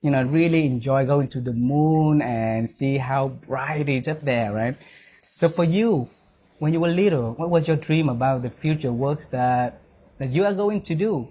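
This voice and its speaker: A man's voice: mid-range voice, normal speed, dark tone, husky. A male interview host with a Vietnamese accent and a mid-range voice. He speaks eagerly and keeps turning his sentences into questions for his guest, often ending them with "right?". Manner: eager, leans on "right?" tags. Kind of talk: interview conversation.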